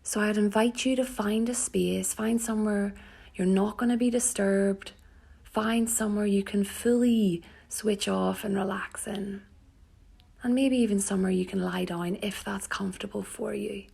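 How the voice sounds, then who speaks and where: A woman yoga teacher from Northern Ireland, guiding a sleep meditation in a soft, slow, soothing voice that often drops near a whisper. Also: mid-range voice, steady tone, gravelly, slightly rough.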